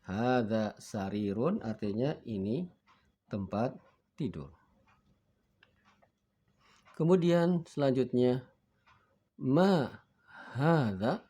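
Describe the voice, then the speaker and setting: A man's voice: mid-range voice, expressive, very slow, long pauses, dark tone, slightly rough. A man teaching a beginner Arabic lesson, reading each word twice for students to repeat and acting out forgetting and looking up words. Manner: patient, acts out forgetting and finding words.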